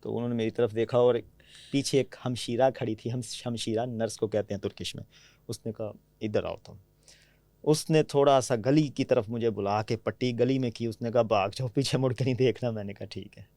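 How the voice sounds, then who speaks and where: A man's voice: mid-range voice, fairly even intonation, warm tone, no room sound. A man from Pakistan, a podcast guest, with a Punjabi-tinged Urdu accent, recounting his experiences in a chatty storytelling way and often checking in with the listener. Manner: anecdotal, frequently asks "theek hai?" to check understanding. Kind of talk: conversational storytelling.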